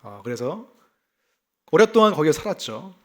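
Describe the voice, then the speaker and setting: A male pastor from South Gyeongsang with a faint Gyeongsang accent, giving a sermon in a lively, conversational way. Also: a little high, moderate pace. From South Gyeongsang, South Korea. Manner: lively, conversational preaching with self-deprecating laughs.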